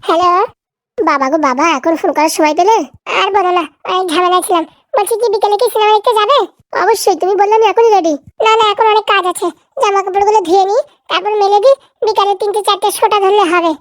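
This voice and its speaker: A woman voicing squeaky, bickering young characters in a comedy cartoon, with a chatty delivery. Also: fairly even intonation, quick pace, no echo, studio quality. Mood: eager.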